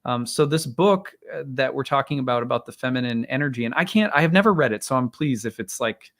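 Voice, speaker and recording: A man in his thirties or forties hosting an astrology livestream. He talks casually and rambles, with many fillers and restarts, and clears his throat now and then because his voice is strained and tiring. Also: mid-range voice, fast talker, fairly bright tone. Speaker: astrologer, live stream host. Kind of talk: casual livestream talk and chart reading.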